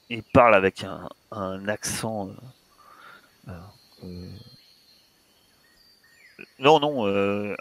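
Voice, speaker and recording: A man's voice: medium pitch, creaky, no room sound. A man narrating as game master, hesitant and full of fillers. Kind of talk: narrating a tabletop role-playing game.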